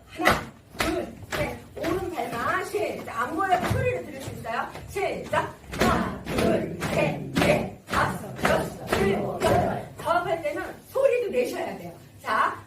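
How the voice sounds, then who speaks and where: A woman's voice: high-pitched, expressive, normal speed, far from the mic. A woman from Seoul leading seniors through a group exercise class, coaxing them along, counting beats aloud and laughing often. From Seoul, South Korea. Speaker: senior recreation instructor. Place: large room with a group of seniors. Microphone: no microphone, recorded from across the room. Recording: echoey room, voice from afar, loud crowd and noise.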